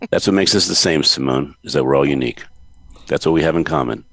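A man hosting an interview show in a relaxed, easygoing way. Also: a bass voice, moderate pace, vocal fry, dry recording, clean studio sound. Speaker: host. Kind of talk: casual interview chat.

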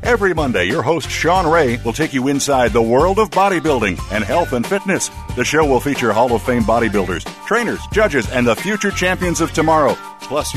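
A man reading scripted radio promos. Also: medium pitch. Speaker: promo announcer. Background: music.

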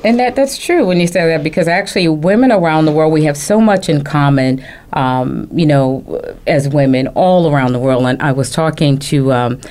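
A woman's voice: low voice, normal speed, a little mellow. A woman co-hosting a radio talk show, speaking casually with lots of "um" and affirming interjections. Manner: affirming, frequent backchannels, many fillers.

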